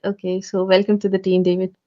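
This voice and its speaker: A woman's voice: mid-range voice, completely flat delivery, fast, dark tone. A woman running an online onboarding meeting for interns, polite and hesitant, with many fillers. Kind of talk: online meeting, training briefing. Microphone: video call. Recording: dull lo-fi call audio.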